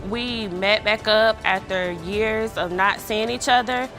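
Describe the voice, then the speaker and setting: A woman's voice: medium pitch, slow pace. A woman litigant answering a judge in a TV court. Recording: TV courtroom with music behind.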